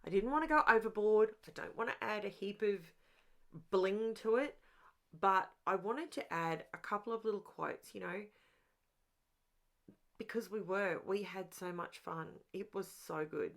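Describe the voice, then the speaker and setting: A woman's voice: mid-range voice, unhurried, a bit bright. A middle-aged woman, chatting through a craft voiceover, rambling and talking straight to her viewers. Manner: rambling and self-aware, talks straight to viewers. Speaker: crafting channel host. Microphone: voiceover mic.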